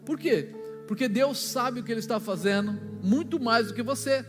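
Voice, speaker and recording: High-voiced Brazilian pastor preaching in a hall. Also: male voice, moderate pace. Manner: colloquial storytelling, acting out dialogue. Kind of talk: sermon. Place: church. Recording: long church hall reverb with music behind.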